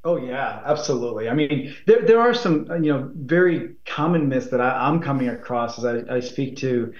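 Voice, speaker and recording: A man's voice: mid-range voice, lively intonation. Guy guest on a radio interview, stop-start with lots of fillers, muffled echoey line. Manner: halting, repeats words, many "you know" fillers. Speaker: interview guest, tech executive. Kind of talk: interview answers. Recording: roomy, dull remote line.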